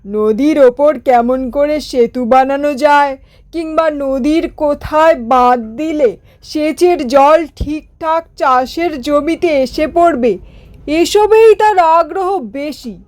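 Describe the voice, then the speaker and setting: A woman voicing an eager, fawning, food-loving royal minister in a cartoon fairy tale, with drawn-out, deferential phrasing. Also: sits high, darkish tone. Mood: earnest, respectful. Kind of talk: Bengali animated fairy-tale dialogue.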